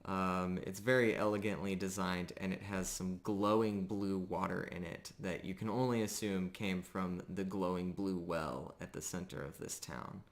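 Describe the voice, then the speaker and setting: A man improvising tabletop game narration as game master, with hesitant, halting phrasing. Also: sits low, steady tone.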